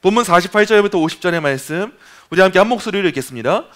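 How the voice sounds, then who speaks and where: A man preaching a sermon at a Friday evening prayer meeting, emphatic and animated, acting out voices. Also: high voice, very fast.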